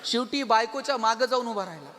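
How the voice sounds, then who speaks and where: A man giving an animated motivational stage speech, telling humorous stories and speaking straight to the audience. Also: very high voice, fast talker. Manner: animated, addresses the audience directly. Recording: long hall reverb with faint music.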